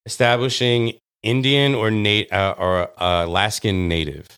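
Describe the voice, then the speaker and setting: A man co-hosting a podcast in casual banter, blunt, jokey and quick to swear. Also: fairly low pitch, fairly even intonation, fairly bright tone, smooth. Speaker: podcast co-host.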